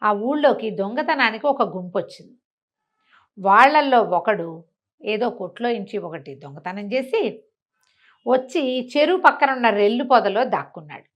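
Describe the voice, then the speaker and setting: Female storyteller, higher register, informal and chatty, narrating a village tale with acted-out quotes. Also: lively intonation, moderate pace, highs cut off. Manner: chatty, colloquial, acts out villagers' quoted remarks. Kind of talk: conversational oral storytelling of a folk tale.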